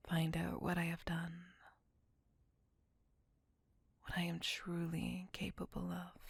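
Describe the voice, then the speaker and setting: A woman breathes life into an ancient, tormented vampire woman who never raises her voice above a whisper. Her low, gravelly hush is husky and breathy, brooding and possessive. Close and dry, it sits right at the listener's ear. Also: no echo, full character voice. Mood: tender remorse. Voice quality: whispered throughout. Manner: slow, brooding, intimate. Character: centuries-old female vampire, tormented and possessive. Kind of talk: ASMR audio roleplay.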